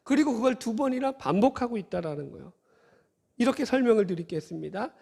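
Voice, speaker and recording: A man's voice: high-pitched, lively intonation, quick pace, gravelly, dark tone. A male pastor preaching a sermon in a conversational way, asking the congregation rhetorical questions and acting out scolding voices. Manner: acts out scolding voices in quotes. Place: church sanctuary. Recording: church hall reverb.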